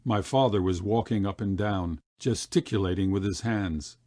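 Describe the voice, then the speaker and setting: A man reading a literary story aloud as an expressive audiobook narrator. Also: low voice, moderate pace, dry recording, studio quality. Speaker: audiobook reader.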